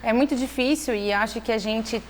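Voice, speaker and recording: A woman in casual conversation, explaining parenting ideas in a thoughtful, measured way, often checking in with "né". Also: on the high side. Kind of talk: conversational interview. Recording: echoey room with faint noise.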